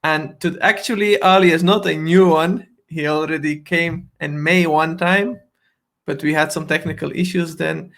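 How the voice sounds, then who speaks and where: A man's voice: a little high, fairly even intonation, normal speed, vocal fry, fairly bright tone. A man hosting a live online show, greeting viewers and asking his guest short questions. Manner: friendly, asks short questions. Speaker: host. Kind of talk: livestream hosting.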